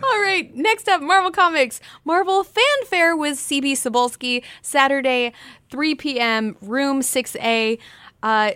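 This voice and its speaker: A woman with a fairly high voice chats casually as a podcast co-host. She is playful and jokey, throwing in animated asides, and the sound is close and dry. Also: measured pace, no room sound. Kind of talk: casual chatty event preview.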